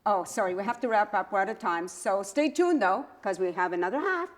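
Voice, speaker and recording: A woman's voice: medium pitch, animated, brisk. A woman hosting a casual community TV talk show, chatty and teasing, laughing often as she questions her guests in the studio.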